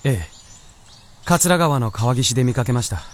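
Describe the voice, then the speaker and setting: Earnest young white fox, lively intonation man acting. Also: medium pitch, moderate pace, close to an everyday voice. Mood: troubled, earnest. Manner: polite, earnest speech. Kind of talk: Japanese radio drama acting.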